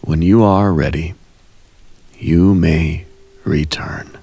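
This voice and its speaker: Male narrator for esoteric ASMR meditation; heavy vocal fry, husky breathy tone, solemn, measured and hushed delivery. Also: low voice, steady tone. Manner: solemn, hushed, deliberate, with short measured phrases. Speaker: host and narrator of a meditative radio show. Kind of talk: ASMR guided meditation, slow dreamlike scripted narration.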